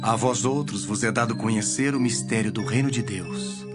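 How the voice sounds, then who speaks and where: A man playing Jesus as a solemn, measured teacher in a dramatized audio Bible. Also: on the low side, close to an everyday voice. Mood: solemn teaching. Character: Jesus, solemn teacher telling parables to followers. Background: music.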